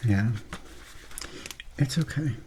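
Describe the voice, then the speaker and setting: Soft, mellow man doing ASMR roleplay. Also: mid-range voice, lively intonation, slight background noise, rough recording. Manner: soft-spoken, unhurried, reassuring. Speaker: ASMR performer playing a substitute surgeon.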